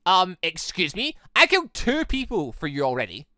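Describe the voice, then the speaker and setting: Lively young woman gamer. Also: lowish voice, normal speed, no room sound, studio quality. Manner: chatty, animated, reads character lines in her own voice. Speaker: let's play streamer. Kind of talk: reading a visual novel aloud and reacting.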